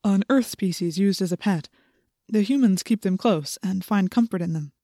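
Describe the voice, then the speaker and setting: A woman's voice: mid-range voice, moderate pace, mellow, no room sound, studio quality, close to an everyday voice. A woman reading an audiobook voices a nervous middle-aged man who stammers when addressed. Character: nervous middle-aged male school official.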